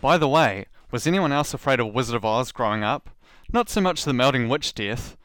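A man with a New Zealand accent tells his story in a smooth, clear voice. He is sarcastic and lively as he goes. The sound is dry and close to the mic. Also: medium pitch, fairly quick, no echo. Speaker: podcast host. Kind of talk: sarcastic commentary.

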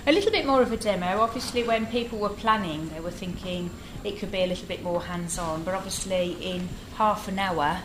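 A woman's voice: medium pitch, brisk, hardly any pauses, background noise. A woman teaching a cookery workshop, instructing in a friendly way with fillers, recorded in the workshop room. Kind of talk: cooking demonstration.

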